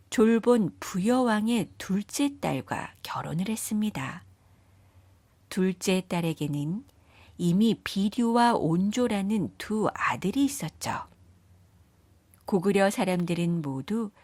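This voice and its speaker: A woman reading scripted children's story narration in a measured, careful storytelling manner. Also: medium pitch, darkish tone, no echo.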